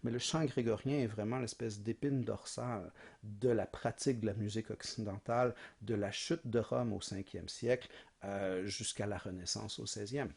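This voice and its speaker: A man's voice: fairly low pitch, fairly even intonation, normal speed, creaky, darkish tone, breathy edge. A man giving a recorded music history lecture, explaining patiently, asking rhetorical questions and singing short examples.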